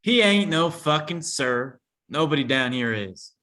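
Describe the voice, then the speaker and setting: A man's voice: fairly high pitch, lively intonation, a little slow, pushed and bright. A man playing a hostile, bitter, foul-mouthed coal miner in a screenplay table read, speaking bluntly and confrontationally. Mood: curt, scornful.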